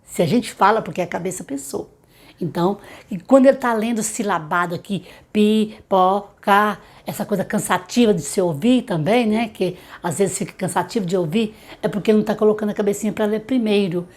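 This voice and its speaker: A middle-aged Brazilian woman, a literacy teacher, giving reading tips straight to parents and slowly sounding out sample words. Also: medium pitch. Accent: Brazilian Portuguese. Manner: warm direct advice to mothers, slow syllable-by-syllable demonstrations. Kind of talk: tutorial talking to parents.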